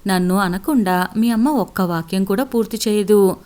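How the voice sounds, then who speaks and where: A woman's voice: medium pitch, normal speed, a little mellow, close to an everyday voice. A good-humored middle-aged father who jokes easily, as a woman reading the story puts him on. The voice is not changed much from the reader's own. It is a storybook reading. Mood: joking.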